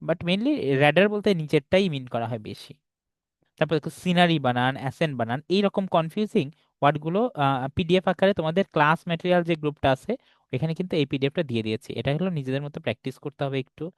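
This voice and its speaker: A man's voice: fairly high pitch, animated, fast talker, no echo. A man teaching an English class online, explaining patiently and checking often that students follow along. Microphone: video call.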